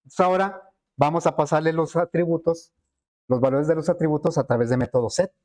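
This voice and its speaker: A man walks students through code in a screen-recorded lesson. His voice sits a little high for a man, and he thinks aloud, pausing on fillers and checking in with his class as he goes. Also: steady tone, darkish tone. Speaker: programming teacher.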